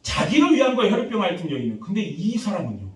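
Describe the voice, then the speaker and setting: A man preaching a revival sermon as a pastor, lively and acting out the people he quotes while quizzing the congregation. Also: high voice, quick pace. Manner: animated, acts out quoted voices, quizzes congregation. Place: church sanctuary. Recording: echoey church hall, distant mic.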